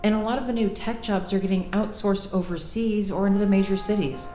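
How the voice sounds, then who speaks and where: A woman's voice: mid-range voice, brisk, dark tone, roomy sound, faint music behind, lightly acted. A woman playing an opinionated, teasing character in an audio drama, bossy and argumentative in a playful way. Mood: insistent, lecturing. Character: opinionated, teasing adult woman, animated over wine. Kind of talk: naturalistic audio drama dialogue.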